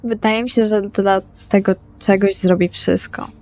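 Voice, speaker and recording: A woman's voice: mid-range voice, fairly even intonation, a little slow, darkish tone. A woman improvising serious in-character dialogue in a tabletop role-playing game. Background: music.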